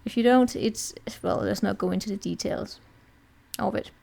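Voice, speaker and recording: A woman's voice: mid-range voice, normal speed, gravelly, dark tone. Chatty woman doing a tarot reading. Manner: chatty, rambling, often asks "right?". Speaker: tarot reader.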